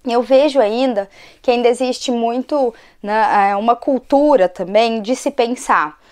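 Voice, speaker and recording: A hoarse woman, fighting a cold, giving a conversational educational talk to her channel as an occupational therapist. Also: on the high side, unhurried, darkish tone. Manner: conversational, frequent tag questions.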